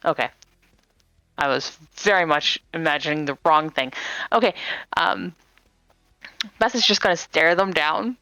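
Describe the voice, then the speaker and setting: Low-voiced woman playing a tabletop game. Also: moderate pace, sharp tone, dry recording. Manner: casual, chatty. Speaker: player. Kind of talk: casual tabletop play.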